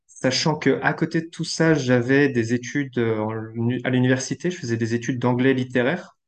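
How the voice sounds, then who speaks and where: Against a quiet background, a man with an ordinary speaking voice talks at a moderate pace and medium pitch, using ordinary pitch variation and hardly any pauses. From Brittany, France. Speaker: diabolo juggler and dancer. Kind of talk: casual interview.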